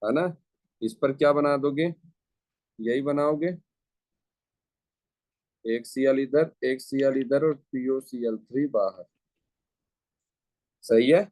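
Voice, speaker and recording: A man's voice: medium pitch, takes it slowly, pauses often, dark tone, dry recording. A man teaching a chemistry lecture who repeats his phrases and asks rhetorical questions as he talks students through each step. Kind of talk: classroom lecture.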